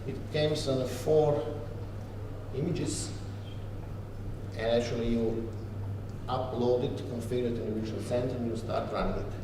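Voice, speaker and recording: A man who is not a native English speaker gives a technical conference presentation, talking haltingly with frequent restarts. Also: mid-range voice, background noise. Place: large conference hall. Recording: echoey hall, recorded from far off.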